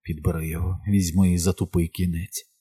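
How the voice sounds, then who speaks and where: A man voicing a badly wounded woman hunter, fierce and proud, who speaks in urgent whispers and loud battle calls. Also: sits low, fairly even intonation, moderate pace, slightly rough.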